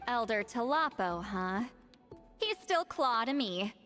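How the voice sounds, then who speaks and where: Brusque, high-voiced shaman woman. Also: lively intonation, slow, sharp tone, soft background music, exaggerated voice. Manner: brusque, easily exasperated. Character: proud, gruff, long-lived young-sounding shaman woman. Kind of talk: video game voice acting.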